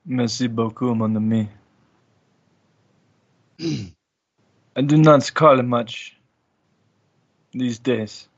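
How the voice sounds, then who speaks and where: A man voicing a very old, courtly vampire who speaks in slow, formal phrases on a dull recording. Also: mid-range voice. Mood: polite.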